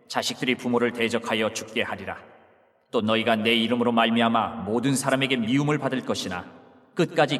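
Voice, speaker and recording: A man playing Jesus as a calm teacher, giving measured, solemn lines in a dramatized Bible reading. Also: mid-range voice, close to an everyday voice. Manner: measured, solemn archaic delivery. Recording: long hall reverb.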